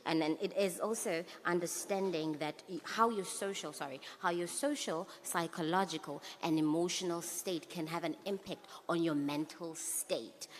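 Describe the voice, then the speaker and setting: A young woman on a panel speaks in a lowish voice, hesitating often and filling pauses as she works out her thoughts. A long hall reverb trails after her words. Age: young adult. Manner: hesitant, with many fillers. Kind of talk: youth panel discussion.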